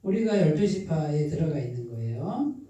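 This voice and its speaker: A pastor with a Chungcheong accent delivers a midweek sermon in a call-and-response way, asking the congregation questions and supplying the answers. Key phrases are repeated slowly and softly for weight. The voice sounds very dark and mellow, and it reaches the mic from a distance across a hugely echoing church sanctuary. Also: medium pitch, sing-song. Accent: Chungcheong Korean. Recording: very echoey hall, voice from a distance.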